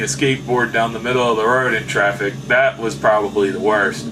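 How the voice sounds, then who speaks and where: Noticeable background noise and audible room echo surround a man with an American accent. His medium-pitched voice shows ordinary pitch variation. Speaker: gaming video creator. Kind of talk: casual chat. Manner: casual, rambling-paced talk.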